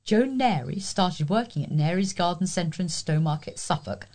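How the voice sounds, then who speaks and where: A woman reads local news and columns from a script as a volunteer reader. Her slightly low voice has a breathy, husky grain, and her pitch moves in animated swings. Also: normal speed. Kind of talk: read-aloud local news and magazine column.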